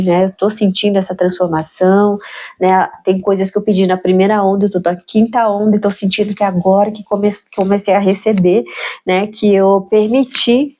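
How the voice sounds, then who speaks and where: A woman's voice: mid-range voice, dark tone, highs cut off. A woman with a nasal, stuffed-up voice from a cold, reflecting aloud on her spiritual practice in a musing way and adding tag questions to her sentences. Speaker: spiritual vlogger. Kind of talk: reflective personal talk.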